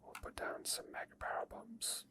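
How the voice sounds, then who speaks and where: A gaming streamer speaks entirely in a soft, breathy whisper. The delivery is ASMR gameplay commentary, walking the listener through each action as it is done. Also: normal speed. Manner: explains each step as it is done. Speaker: video game streamer.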